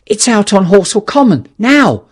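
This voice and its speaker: A man's voice: high voice, sing-song, a little slow, breathy edge, voice pushed up, full character voice. A man voicing an agitated male astronomer in an audiobook, exclaiming with breathless alarm and urgency. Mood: urgent excitement. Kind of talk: dramatised audiobook dialogue.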